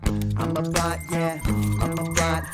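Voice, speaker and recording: A woman's voice: sits low, completely flat delivery, slow. A woman singing a comic song as a playful Russian bot. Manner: playful, sung over guitar.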